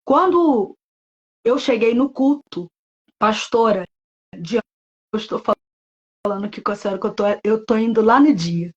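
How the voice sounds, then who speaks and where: A woman's voice: fairly high pitch, expressive, a little slow, long pauses, husky, lo-fi sound. A woman pastor, giving an emotional personal religious testimony in a repetitive storytelling manner. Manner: emotional, repetitive storytelling with many quoted voices.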